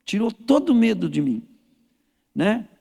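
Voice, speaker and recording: Brazilian pastor, man, gravelly high voice that swings widely, folksy sermon in a reverberant church hall. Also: big pitch swings, a little slow, mellow. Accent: Brazilian Portuguese. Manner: folksy, storytelling, addresses the congregation directly.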